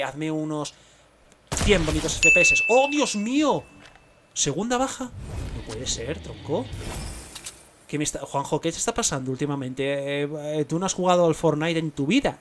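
Young male gamer with a Spain Spanish accent, voice somewhat high, live commentary, excitable, bursts into exclamations. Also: noisy background. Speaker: gaming streamer.

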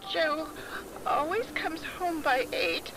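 An actress playing a distraught wife in an audio drama, speaking tearfully and with worry. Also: female voice, high voice, animated, takes it slowly, over music, poor audio. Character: distraught, worried wife of missing man.

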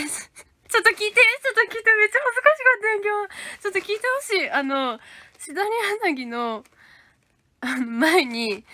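A woman's voice: on the high side, a bit bright, no echo. Chatty young Kansai woman, dry close sound. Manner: chatty, giggly, reacts to comments. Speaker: idol livestreaming to fans. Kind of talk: casual livestream chat reading comments.

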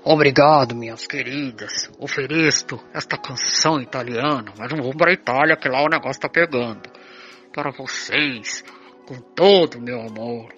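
A man's voice: medium pitch, normal speed, a bit bright, soft background music, natural voice. An older Brazilian man playing a sentimental ladies' man in an amateur radio soap, with flowery, theatrical delivery. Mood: adoring. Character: sentimental old ladies' man sailing away to sea. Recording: dull lo-fi, echoey room.

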